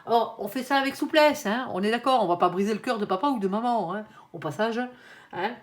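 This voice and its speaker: A woman reads tarot cards for her viewers in a chatty, casual way, her slightly high voice brisk with lively intonation. She constantly says "hein" and tags her sentences with playful little asides.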